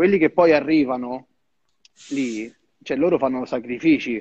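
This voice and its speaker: A man's medium-pitched voice, fairly even in intonation, at a moderate pace. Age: 20s. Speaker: CrossFit coach and gym owner. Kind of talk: casual chat. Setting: at his gym under construction.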